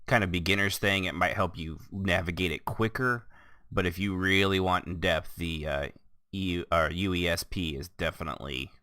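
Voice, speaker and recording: A man hosting a casual gaming podcast, rambling and restarting his sentences, quick to laugh. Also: low-pitched, steady tone, pushed and bright, no room sound, clean studio sound. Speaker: podcast host. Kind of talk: casual chat.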